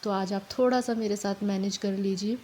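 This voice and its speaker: Young woman, hoarse and run-down, flat dark delivery, faint room hiss, homey vlog talk. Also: medium pitch. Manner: tired, halting, apologizing for her voice. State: hoarse from a sore throat and fever. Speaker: family vlogger. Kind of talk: casual vlog narration while doing housework.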